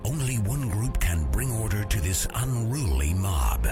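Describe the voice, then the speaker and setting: A man narrates a mock-heroic podcast opening in a booming announcer manner. His voice sits very low and rolls slowly through a wide, swooping pitch range. Loud music plays underneath him. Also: sing-song. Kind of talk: dramatic announcer intro.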